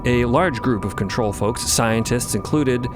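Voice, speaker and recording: Guy narrating a story podcast, real theatrical and emphatic, mid-pitched voice, music behind him. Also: unhurried. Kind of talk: dramatic storytelling narration with casual asides. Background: music under the narration.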